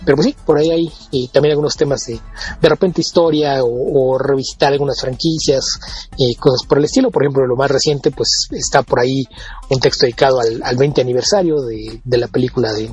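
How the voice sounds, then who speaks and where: Husky-voiced Mexican man chatting. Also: medium pitch, brisk, darkish tone, highs cut off, faint music behind. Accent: Mexican Spanish. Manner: chatty, repeats and restarts words. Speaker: podcast co-host and blogger. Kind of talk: casual podcast chat.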